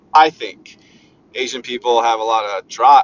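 A man speaks at a medium pitch with ordinary pitch variation. Noticeable background noise runs underneath. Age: 20s. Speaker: motivational podcaster. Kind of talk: solo monologue. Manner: casual, profanity-laden rant.

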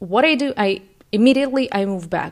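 A woman with a Russian accent speaks with ordinary pitch variation. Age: 20s. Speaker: podcast host. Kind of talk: casual chat, solo monologue. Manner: chatty, excitable.

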